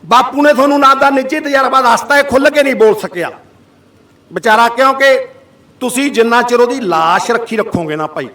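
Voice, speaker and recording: A man's voice: extremely high pitch, lively intonation, a little fast, pushed and bright. A middle-aged man, an activist giving a fiery speech to a gathered crowd, full of rhetorical questions. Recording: voice picked up from a distance.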